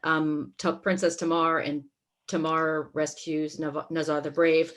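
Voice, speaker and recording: Woman, slightly low register, stage performer, conversational storyteller on a casual panel. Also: little pitch movement, unhurried, a bit bright. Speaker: actor and stage manager. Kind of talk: casual anecdotal panel chat.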